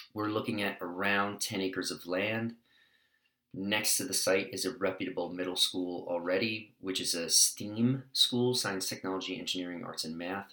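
With an American accent, a man talks at a moderate pace in a bright, sharp tone, his fairly low pitch held in fairly even intonation. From New York City. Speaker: school principal and podcast host. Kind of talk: casual monologue. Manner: hesitant, many fillers.

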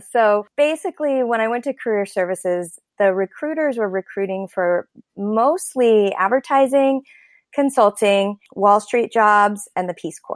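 With an American accent and an unremarkable speaking voice, a woman talks at a fairly high pitch and fairly slow pace with lively intonation, in a very clean, silent recording with a dry, close sound and no echo. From Oklahoma. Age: 40s. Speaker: yoga and Pilates educator. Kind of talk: interview.

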